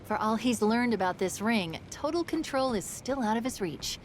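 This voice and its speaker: An actress playing an upbeat young female military AI companion in a video game, briefing in a brisk, chatty, eager way. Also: a little high, expressive, slight background noise, close to an everyday voice. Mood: pleased, confident. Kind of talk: video game mission dialogue. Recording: loud game music behind.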